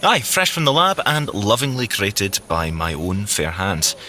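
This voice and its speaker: An excitable young-sounding male gadget scientist in an audio drama. His delivery is geeky and playful, very bright and forceful, leaping all over in pitch, with faint noise behind. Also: unhurried, exaggerated voice. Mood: eager, playful. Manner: boyish, eager, geeky, swooping delivery.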